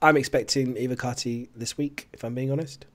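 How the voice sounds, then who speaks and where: A man's voice: medium pitch, steady tone, fairly quick, a bit bright. A man hosting a casual gaming podcast discussion. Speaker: podcast host. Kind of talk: casual panel discussion about a video game.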